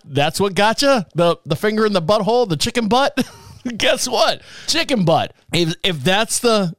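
A man's voice: high-pitched, a bit bright, clean tone, dry recording, studio quality. A man in his forties hosting a podcast, riffing on news stories with rambling jokes and frequent laughter. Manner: joking, rambling, laughs often. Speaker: podcast host. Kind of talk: casual commentary on news stories.

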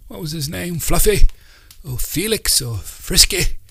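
Guy doing an excitable old uncle, higher voice, rambly and fussy, huskyish and dry sounding. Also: unhurried, vocal fry, breathy edge, no room sound, heavily acted. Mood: flustered. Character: eccentric excitable old uncle, male, whimsical.

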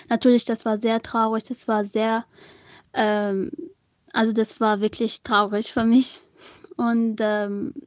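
A woman's voice: fairly high pitch, no room sound. Young Syrian woman, hesitant and earnest. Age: young adult. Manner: hesitant, many fillers, earnest. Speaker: interviewee. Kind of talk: personal testimony to camera.

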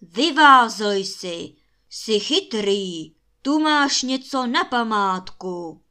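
A woman voicing a huge, angry male giant in a storybook tale, shouting slowly and drawing out his words. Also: fairly high pitch, animated, smooth. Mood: mocking shout. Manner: roaring, slow and drawn out.

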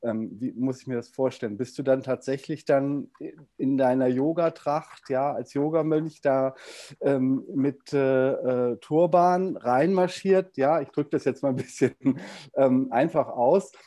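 Male interviewer, halting and filler-heavy, mellow tone, dry close sound. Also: mid-range voice, no room sound. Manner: hesitant, many fillers and restarts. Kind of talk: casual interview.

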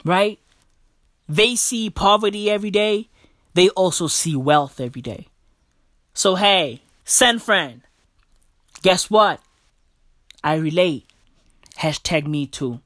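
Calling his listener "bro" and "bruv," a young South African podcast host delivers slangy solo commentary in a high-pitched, slightly bright voice. He speaks slowly with lively intonation and frequent pauses, captured on a podcast mic in studio quality with no room sound.

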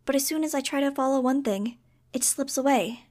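A woman voicing an earnest young girl in an audiobook, with a light, sometimes breathy high voice. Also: brisk, a little mellow, close to an everyday voice. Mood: weary, explaining. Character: young girl with psychic powers, weary, earnest, determined. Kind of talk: audiobook character voice.

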